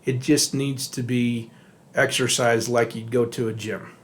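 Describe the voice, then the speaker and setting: Halting middle-aged Texan man. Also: medium pitch, fairly even intonation. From Texas. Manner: halting, many fillers and restarts. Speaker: podcast co-host, addiction therapist. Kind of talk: casual podcast talk.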